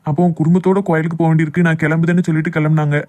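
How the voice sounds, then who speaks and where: Man acting a fast-talking, hurt young Tamil lover. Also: fairly high pitch, level tone, a little mellow, close to an everyday voice. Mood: hurt, sarcastic. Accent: southern Tamil Nadu Tamil. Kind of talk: amateur cartoon love drama voice acting.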